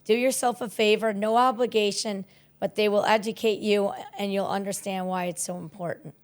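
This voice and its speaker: A woman's voice: mid-range voice, fairly even intonation, moderate pace. A woman with an American accent chatting casually as a co-host. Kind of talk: casual chat.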